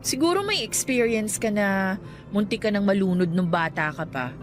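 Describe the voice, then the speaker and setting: A woman playing a playful, expressive young woman in a radio romance drama. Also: mid-range voice, normal speed, lightly acted. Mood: relaxed, chatty. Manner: teasing, girlish, expressive exclamations. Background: music.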